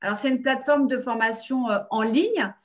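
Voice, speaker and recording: A woman's voice: fairly high pitch, moderate pace. Hesitant French woman host, lo-fi sound. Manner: hesitant, full of fillers, warm laughs. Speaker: interview host. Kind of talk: casual interview conversation.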